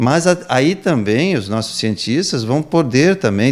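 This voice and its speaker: Speaking at a fairly slow pace, a man with a medium pitch makes very wide pitch swings. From not from Brusque. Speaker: city health secretary, anesthesiologist. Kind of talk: interview.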